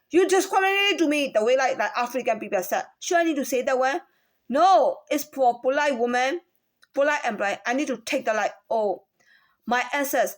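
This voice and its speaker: A woman with a Chinese accent and a fairly high voice tells her own story of a workplace complaint. She speaks haltingly, restarting her phrases and repeating words. She keeps stopping to ask rhetorical questions. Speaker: former store employee. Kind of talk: personal account of a workplace complaint.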